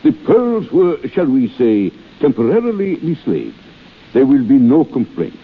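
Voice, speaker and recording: An old, thin-sounding radio recording carries a gracious jeweler. He is husky and formal, his pitch swinging widely as he fusses with mannered courtesy. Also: huge pitch swings, a little slow, in a large hall, narrow, tinny audio, exaggerated voice. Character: gracious jeweler, a courteous man, easily flustered. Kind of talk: 1930s radio drama acting. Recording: scratchy, band-limited 1930s radio recording.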